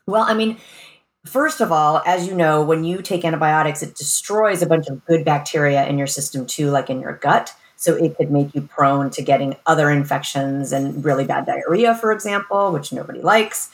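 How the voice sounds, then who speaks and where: A woman's voice: low voice, moderate pace. An American woman speaking as a medical expert guest, explaining things in an informal, plain-spoken, conversational way.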